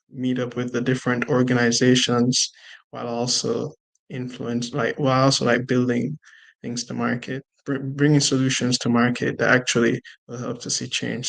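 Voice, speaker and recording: A young man speaking as a panelist on an online call, casual and halting, with many fillers. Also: medium pitch, vocal fry, low-quality recording. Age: young adult.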